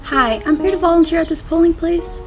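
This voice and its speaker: A woman's voice: very high voice, fairly quick, a little mellow. Woman playing an eager young volunteer, music behind. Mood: eager, dreamy. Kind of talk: amateur reader's theater skit.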